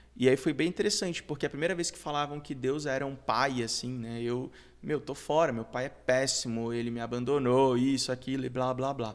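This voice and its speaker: A man with a slight Rio de Janeiro accent speaks at a medium pitch. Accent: slight carioca. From Rio de Janeiro, Brazil. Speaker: pastor. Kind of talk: podcast interview.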